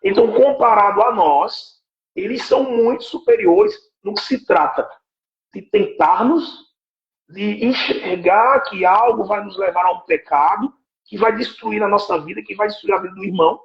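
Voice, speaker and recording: A man in his forties delivers a patient teaching talk in a high voice. He keeps checking that his listener follows. The recording is a roomy, echoing live stream with a dull, lo-fi sound. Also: normal speed, creaky. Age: 40s. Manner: explanatory, keeps checking with "right?". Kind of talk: teaching talk on spiritual warfare.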